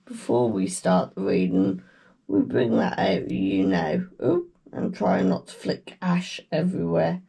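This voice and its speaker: A woman with a British accent, croaky from a cold, giving a slow, meandering tarot reading with murmured chants. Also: fairly low pitch, animated, warm tone. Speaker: tarot reader. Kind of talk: casual tarot reading chat.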